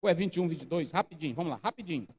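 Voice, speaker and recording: A male pastor preaching a fervent sermon. He swings between hushed phrases and outbursts. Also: a little high, lively intonation, very fast, breathy edge. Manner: fervent, swings from hushed to shouting, acts out quotes. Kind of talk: impassioned Pentecostal sermon. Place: church hall. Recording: long church hall reverb.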